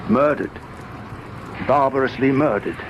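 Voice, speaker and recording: A man's voice: mid-range voice, measured pace, lightly acted. Man playing a shaken older dad in an old radio play, stammering and grave, muffled sound w/ noticeable noise. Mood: grief-stricken. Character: distraught, halting older father, country gentleman. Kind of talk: old-time radio drama acting.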